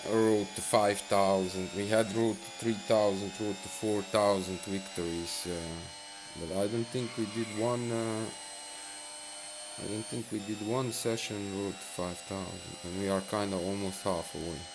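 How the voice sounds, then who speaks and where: A man's voice: fairly low pitch, fairly even intonation, unhurried, noisy background. A man giving casual, rambling commentary while playing a racing game, full of fillers and restarts. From Bosnia and Herzegovina. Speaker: mobile racing game streamer.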